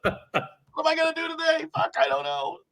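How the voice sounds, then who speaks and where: A man's voice: extremely high pitch, big pitch swings, brisk, vocal fry, a bit bright. A man hosting a casual interview, joking, swearing freely and laughing often. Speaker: host.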